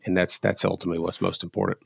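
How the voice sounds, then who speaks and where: A middle-aged man with a fairly low voice co-hosts a casual podcast and tells stories in an earnest, reflective way. His voice is recorded close and dry. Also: flat delivery, racing, creaky, husky, no room sound. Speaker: podcast co-host.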